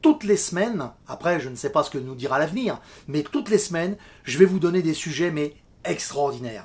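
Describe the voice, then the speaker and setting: This man speaks with lively intonation. His voice is high. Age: 60s. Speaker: business coach YouTuber. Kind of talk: vlog monologue.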